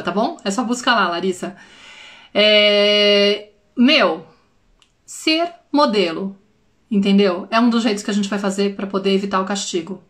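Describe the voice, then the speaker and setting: A woman's voice: medium pitch, a bit bright. A woman in her thirties, a parenting educator hosting a live stream, talking casually and expressively and often turning to her viewers.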